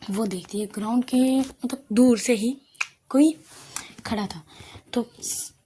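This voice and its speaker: Young female storyteller, casual and chatty, mellow tone, faint hiss behind. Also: on the high side, slow pace. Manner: casual, conversational, drops to a whisper at times. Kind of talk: narrating an audio love story.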